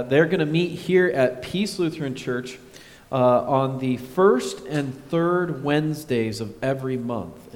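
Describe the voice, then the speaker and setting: A man leading a church service, making announcements in a relaxed way with joking asides. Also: mid-range voice. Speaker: pastor. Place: church sanctuary. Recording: reverberant church hall, faint noise.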